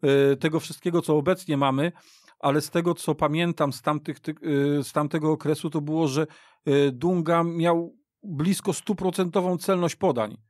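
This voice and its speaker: A man on a radio football panel, talking in a halting way and repeating words. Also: a little high, steady tone, darkish tone, dry recording, clean studio sound. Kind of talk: casual chat. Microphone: studio mic.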